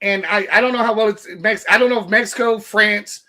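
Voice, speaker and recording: Bright high-voiced man on sports chat. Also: brisk. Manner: rambling, repeats words.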